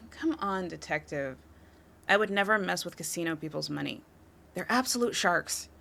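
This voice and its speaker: A woman acting a flirty, smug white-collar crime suspect in an audio roleplay, teasing and coy, with a confident, drawn-out delivery. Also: on the low side, expressive, vocal fry, a bit bright, heavily acted. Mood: sly, dismissive.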